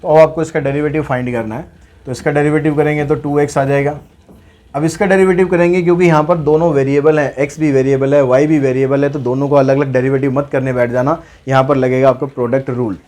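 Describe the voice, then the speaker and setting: A man's voice: medium pitch, steady tone, fast, darkish tone. A man teaching a maths lesson, working through problems step by step and asking and answering his own questions. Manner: explains steps aloud, asks and answers his own questions.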